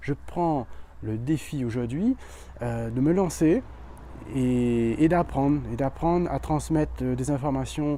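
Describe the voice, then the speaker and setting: Taking long, frequent pauses, a man speaks at a very slow pace. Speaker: entrepreneur and YouTuber. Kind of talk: vlog talking to camera. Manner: halting, many hesitations.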